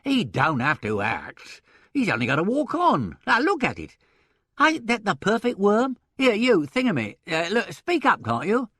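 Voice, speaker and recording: A man voicing a hectoring, stout theatrical agent in an audiobook, bellowing in an excitable, brusque way. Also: a little high, measured pace, no echo, clean studio sound, pitched above the performer's own voice, heavily acted. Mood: excited, triumphant.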